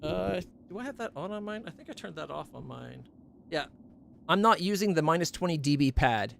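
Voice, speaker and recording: A man's voice: lively intonation, brisk, creaky, fairly bright tone, a little hiss or hum. A man streaming from home, chatting casually about his gear in a rambling, self-correcting way, close on a studio condenser mic. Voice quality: not very deep voice. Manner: rambling, self-correcting, stumbles over names.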